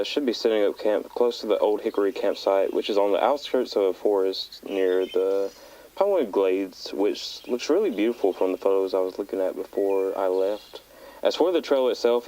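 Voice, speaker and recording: An actor playing a young male hiker who records a calm, matter-of-fact tape diary on the trail in an audio drama. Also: fairly low pitch, rough recording. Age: young adult. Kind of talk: found-footage audio drama.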